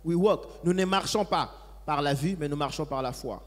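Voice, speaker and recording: A man's voice: a little high, normal speed. Male church interpreter in a reverberant hall. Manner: follows each phrase closely, with occasional hesitations. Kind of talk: live sermon interpretation. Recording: echoey hall.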